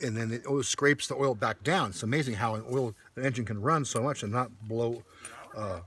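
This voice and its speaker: Noticeable background noise behind a man talking at a fairly quick pace, medium in pitch, with ordinary pitch variation. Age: 60s. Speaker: mechanic. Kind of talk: casual chat. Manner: halting.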